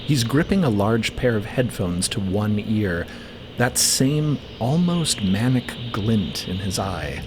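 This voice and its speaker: A man's voice: fairly low pitch, sing-song, slow pace, background noise. A man giving dramatic scripted narration for a fiction podcast. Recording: voice over prominent music. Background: music.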